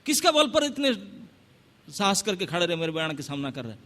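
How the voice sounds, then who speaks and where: Stern, commanding divine king, voiced by a man, urging, high and bright, echoing in a long hall. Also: big pitch swings, fairly quick. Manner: raised, urging.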